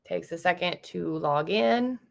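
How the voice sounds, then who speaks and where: A woman's voice: fairly low pitch, animated, unhurried, gravelly. A young woman presenting a casual tutorial, informal and instructive. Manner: informal, instructive, asks short questions.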